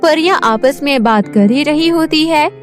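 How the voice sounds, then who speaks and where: High voiced lady narrating a kids cartoon story, bit of music behind. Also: measured pace.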